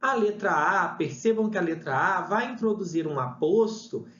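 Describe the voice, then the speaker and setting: A man's voice: high-pitched, animated, normal speed, fairly bright tone. A man teaching a video lesson, reading example sentences aloud and naming the answers. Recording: roomy, slightly dull, faint noise.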